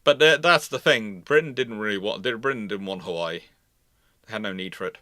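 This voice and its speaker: A man's voice: fairly low pitch, normal speed, bright, forceful tone, dry recording, studio quality. A man hosting a live question-and-answer talk on naval history, speaking emphatically and often repeating or rephrasing his points. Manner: emphatic, repeats phrases, rephrases mid-sentence. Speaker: host.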